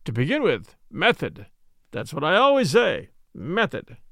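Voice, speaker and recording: A man voicing a smug, brisk police inspector with an emphatic, condescending manner, in a storybook reading. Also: a little high, huge pitch swings, creaky, bright, forceful tone, no echo, studio quality, exaggerated voice. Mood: self-satisfied. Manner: satisfied, emphatic, soothing condescension.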